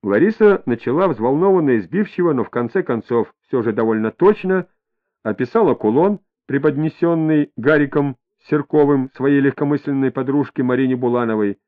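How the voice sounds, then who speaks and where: Expressive male audiobook narrator. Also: mid-range voice, phone-quality sound. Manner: expressive, varied storytelling.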